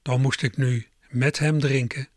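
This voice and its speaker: Middle-aged male reader for a reflective first-person story, calm and measured, dry booth sound. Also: medium pitch, no echo. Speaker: narrator. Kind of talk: storybook reading.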